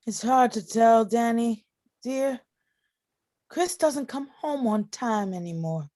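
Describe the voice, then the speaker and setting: A woman's voice: a little high, takes it slowly, warm tone. A woman playing a frail, timid, anxious and devoted young sister in a stage play reading. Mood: worried. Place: video call play reading.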